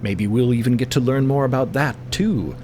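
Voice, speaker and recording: A man playing a learned explorer in a fiction podcast, explaining grand theories in a measured way. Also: dark tone, natural voice. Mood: absorbed, musing. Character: learned male explorer-scientist, absorbed in grand cosmic theories. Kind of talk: fiction podcast character acting. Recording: background ship ambience and rumble.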